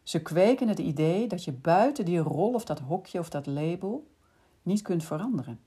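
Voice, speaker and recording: A woman hosting a podcast, calmly explaining in scripted narration and speaking directly to the listener. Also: lowish voice, normal speed, breathy edge. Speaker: podcast host.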